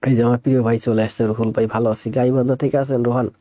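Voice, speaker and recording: Soft-spoken man teaching live with a cold. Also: mid-range voice, little pitch movement, no echo, studio quality. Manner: speaks slowly and softly to save energy. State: has a cold. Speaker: math teacher. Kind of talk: live online class, greeting viewers.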